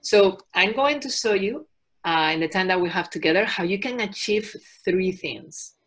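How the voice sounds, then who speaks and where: Presenting a fitness webinar, a calm, soft-spoken trainer and health coach speaks with a fairly low pitch. She is a Spanish-accented woman from Spain in her forties.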